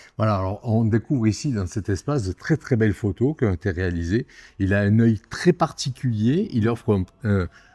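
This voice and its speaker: On a very clean recording with a silent background and a dry, close sound with no echo, a man with a fairly low pitch and a dark, mellow tone speaks at a moderate pace with lively intonation. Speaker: event reporter, interviewer. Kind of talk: casual talk to camera.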